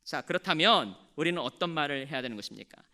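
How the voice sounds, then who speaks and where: A man's voice: a little high, lively intonation, fast talker, bright, forceful tone. A male pastor delivering a sermon, telling stories with animation and calling on the congregation to respond.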